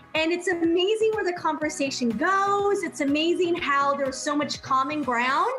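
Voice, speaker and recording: A woman's extremely high-pitched voice with lively intonation, at a moderate pace with hardly any pauses, amid noticeable background noise and audible room echo. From US, bicultural Mexican-American household. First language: Spanish. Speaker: entrepreneur and interviewer of youth. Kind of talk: casual chat.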